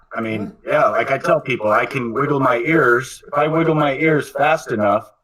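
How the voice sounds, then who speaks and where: An unremarkable speaking voice at a moderate pace with ordinary pitch variation. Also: man, fairly high pitch for a man. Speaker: call-in participant. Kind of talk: casual chat.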